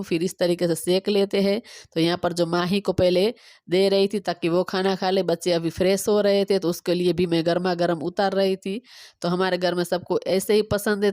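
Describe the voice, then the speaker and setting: A woman in her thirties from Gujarat, native Gujarati speaker, chatting quickly through a home cooking and cleaning vlog on a phone camera. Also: fairly low pitch, a little mellow, dry recording, clean studio sound. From Gujarat, India. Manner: fast-talking, chatty step-by-step explaining. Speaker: vlogger.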